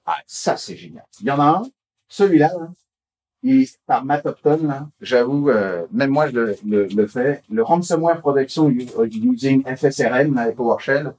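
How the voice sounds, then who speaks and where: A man presenting at a technical conference, talking in a loose, chatty way. He stumbles through restarts, fillers and repeated words as he goes. His voice sits at an ordinary middle pitch. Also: darkish tone. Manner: rambling, halting delivery with many fillers and repeated words; informal, chatty tone. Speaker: conference speaker.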